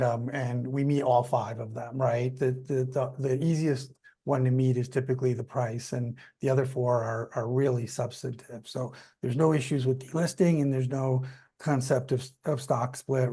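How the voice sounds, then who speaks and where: A male executive with a medium-pitched voice answers questions on an earnings call. He speaks off the cuff and emphatically, repeating phrases to drive points home and often checking that listeners agree. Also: warm tone, husky. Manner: emphatic, repetitive, seeks agreement. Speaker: company executive.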